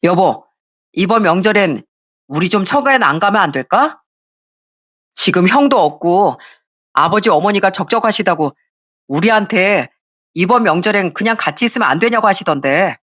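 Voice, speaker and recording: A woman's voice: medium pitch, lively intonation, moderate pace, a bit bright. A woman voicing a meek husband who pleads with his wife in a told story. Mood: pleading.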